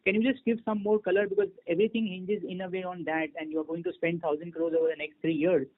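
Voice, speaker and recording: A man's voice: high-pitched, flat delivery, fast. A man, an analyst, politely asks questions on an earnings call in hesitant, piecemeal phrases. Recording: narrow phone line.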